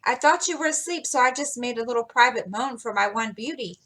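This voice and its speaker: A woman's voice: fairly high pitch, animated, fairly quick, sharp tone, voice pushed up. A woman reading aloud as an impulsive, spirited teenage girl telling her own tale. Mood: tearful.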